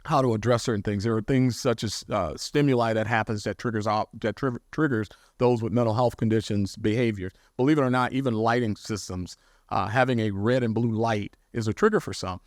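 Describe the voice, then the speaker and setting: A man's voice: lowish voice, fairly quick, no room sound, clean studio sound. A man who is a police chief, giving remarks at a press conference with many fillers and restarts. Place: city press briefing room.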